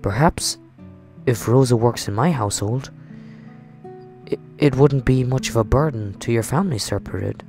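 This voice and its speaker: Man reading a courteous, hesitant nobleman, creaky voice. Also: mid-range voice, moderate pace, darkish tone, soft background music, close to an everyday voice. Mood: polite, tentative. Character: courteous, hesitant adult nobleman humoring a child.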